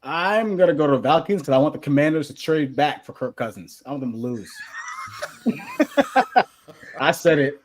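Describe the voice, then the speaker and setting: A man's voice: a little high, very animated, normal speed, long pauses, slight background noise. A man co-hosting a casual sports chat over an online call, curious and laughing at himself as he makes his picks. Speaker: co-host.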